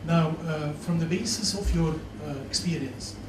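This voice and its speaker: A man's voice: on the high side, moderate pace. A man from Lebanon asking a long, earnest question from the audience of a workshop. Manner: long-winded, earnest, searching for words. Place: lecture hall. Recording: echoey hall, distant mic, noticeable noise.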